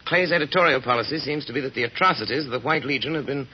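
An actor playing Lamont, a calm and confident male detective, in a 1930s radio drama. He speaks in a brisk, assured way. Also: mid-range voice, lightly acted. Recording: dull radio recording with faint hiss.

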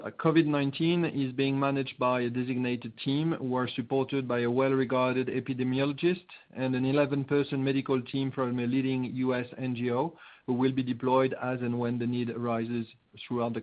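A man speaks as a chief executive on an earnings call, reading prepared remarks in a stiff, formal way. His voice sits at a medium pitch and comes through a muffled, narrow conference phone line. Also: level tone, brisk. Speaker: chief executive presenting quarterly results.

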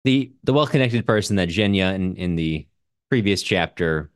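A man co-hosting a book podcast in casual discussion, halting and correcting himself as he thinks aloud. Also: low voice, animated, smooth, dry recording, studio quality. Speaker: podcast co-host.

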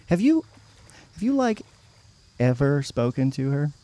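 Man playing a mellow, frank teenage buddy. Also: on the high side, very animated, a little slow. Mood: teasing, encouraging. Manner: casual, nudging, frank. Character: frank, teasing youth-group friend, a teenage guy. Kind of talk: naturalistic audio drama dialogue.

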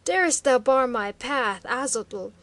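A woman's voice: high-pitched, animated, a little slow. A woman voicing a raging arrogant chieftain. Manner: savage, threatening, shouting. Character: furious arrogant male native chieftain.

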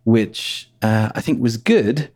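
A man's voice: medium pitch, lively intonation, takes it slowly, a little mellow, no room sound, clean studio sound. A man, a podcast guest chatting in a laid-back, rambling way. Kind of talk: casual conversation.

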